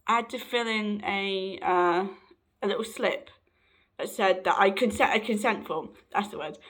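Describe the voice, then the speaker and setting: A young trans man, rambling casually in a personal vlog, often correcting himself and laughing, his voice slightly raspy and hoarse. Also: high voice, moderate pace, fairly bright tone. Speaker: vlogger.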